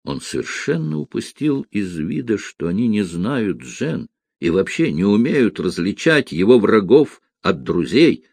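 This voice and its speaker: A man narrating an adventure novel as an audiobook, dramatic and dropping to a hush at tense moments. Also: fairly low pitch, very animated, measured pace, gravelly, slightly rough, no room sound, studio quality.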